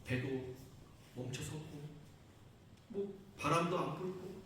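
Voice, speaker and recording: High, bright-voiced pastor in an echoing church. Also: male voice, takes it slowly, a little hiss or hum. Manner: retells the story vividly, firing rhetorical questions at the congregation. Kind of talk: sermon. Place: church sanctuary. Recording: echoey church hall, mic at a distance.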